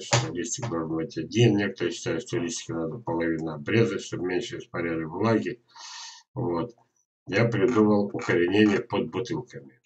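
An older man giving an informal instructional webinar talk, speaking haltingly with drawn-out words and pauses. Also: low-pitched, darkish tone, rough recording. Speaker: gardener presenting an online lesson. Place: indoors in a small dim room at a computer.

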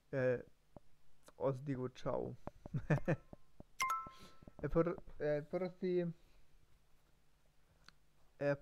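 A man slowly improvising a story as practice, with many fillers, pauses and restarts. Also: fairly high pitch, a little mellow, dull audio, a little hiss or hum. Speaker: language learner streamer. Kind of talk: halting improvised practice talk.

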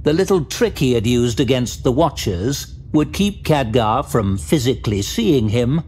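A man's voice: mid-range voice, big pitch swings, a little slow, a little mellow, a little hiss or hum. A man giving a dramatic scripted narration of a fantasy story. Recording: music behind the narration.

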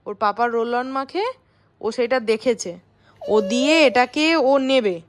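Woman vlogger, high voice, casual family chat with a toddler. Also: normal speed, a little hiss or hum. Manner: talks sweetly to a small child, coaxing and playful.

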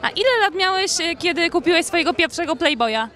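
A woman's voice: very high voice, animated, fairly quick, a bit bright, a faint crowd. A young woman reporter asking questions at an outdoor evening gala into a handheld mic, upbeat with some fillers. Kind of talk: red-carpet interview questions.

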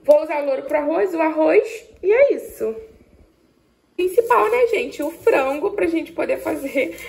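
A woman's voice: high-pitched, lively intonation, measured pace, creaky, darkish tone, far from the mic. A young woman from Brazil chatting casually to her viewers while cooking in her home kitchen. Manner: chatty, addresses viewers affectionately. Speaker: cooking vlogger. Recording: echoey kitchen from off-mic with music.

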